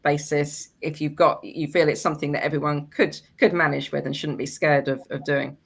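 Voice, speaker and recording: A woman's voice: low voice, level tone, moderate pace, gravelly, breathy edge. A woman moderating a webinar panel as host, putting questions to guests and often rephrasing them tentatively.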